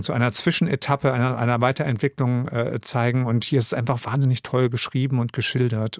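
A German man in his fifties, a radio drama director and author, answering interview questions thoughtfully with frequent pauses and restarts. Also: medium pitch, no room sound, clean studio sound. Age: 50s. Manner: thoughtful, many hesitations and restarts.

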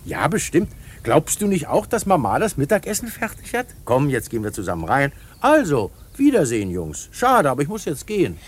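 A man's voice: fairly high pitch, huge pitch swings, a little fast, husky, heavily acted. A man playing a cunning jewel thief in a radio play, evasive and full of false cheer. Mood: falsely cheerful.

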